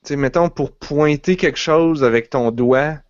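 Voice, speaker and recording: A man's voice: fairly high pitch, moderate pace, smooth, no room sound, lo-fi sound. A man with a Quebec French accent chatting casually on a podcast, rambling with restarts and fillers. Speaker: podcast co-host. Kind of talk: casual chat.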